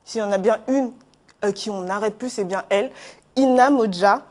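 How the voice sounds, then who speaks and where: A woman presenting a music segment on a TV news set, speaking in a lively, flowing way. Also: medium pitch, normal speed. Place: TV studio.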